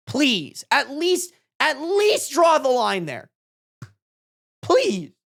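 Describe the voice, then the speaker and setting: Animated, slangy livestreamer in their twenties. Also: high voice, drawn-out words, vocal fry. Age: 20s. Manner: slangy, swearing, emphatic. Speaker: livestream host. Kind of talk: casual reaction stream chat.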